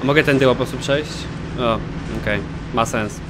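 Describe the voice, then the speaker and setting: A man giving excitable let's play commentary, swearing often as he plays. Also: medium pitch, normal speed, background noise. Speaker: gaming commentator.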